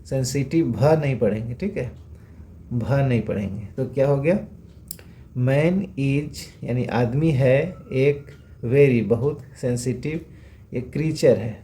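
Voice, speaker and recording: A man's voice: medium pitch, unhurried, dark tone, a little hiss or hum. A man teaching English reading, patiently repeating sounds and checking in with rhetorical questions. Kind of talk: phonics lesson explained in Hindi.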